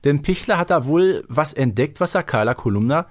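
This podcast co-host has a somewhat high, expressive male voice and talks at an ordinary speed. Chatty and informal, he goes back over an episode of an audio drama and discusses it, frequently ending lines with tag questions.

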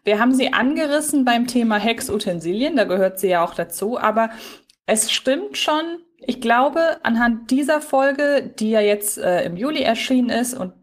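A woman's voice: fairly high pitch, expressive, normal speed. A woman hosting a podcast from home, talking in a wordy, conversational, explanatory way. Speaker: podcast host. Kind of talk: conversational fan podcast discussion. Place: at home, on a remote link.

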